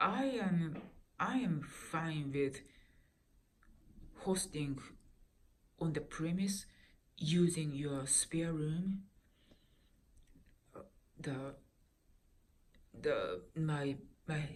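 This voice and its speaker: A woman's very deep, low, somewhat breathy voice in a Japanese accent, at a very slow pace with long, frequent pauses and ordinary pitch variation, with audible room echo. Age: 40s. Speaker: YouTuber and Airbnb host. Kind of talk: casual vlog monologue. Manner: halting, many fillers.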